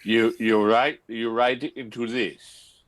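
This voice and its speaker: A man playing a grand, languid ancient vampire in a comedy table read, speaking deliberately and portentously. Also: mid-range voice, level tone, no room sound, natural voice. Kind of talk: video-call table read of a comedy film script. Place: remote video-call reading.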